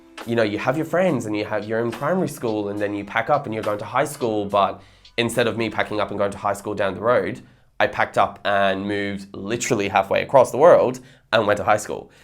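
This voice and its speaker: The speaker's delivery is very fast, with ordinary pitch variation and music playing in the background. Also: man, fairly low pitch for a man. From Ireland. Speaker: YouTuber. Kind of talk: casual Q&A vlog. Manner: casual, hesitant with fillers.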